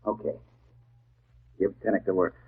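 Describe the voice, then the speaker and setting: An actor playing a tough, wary black-market racketeer with gruff gangster talk, in 1940s radio style. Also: male voice, low voice, normal speed, full character voice. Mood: wary, grudging. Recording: noisy, tinny 1940s radio recording.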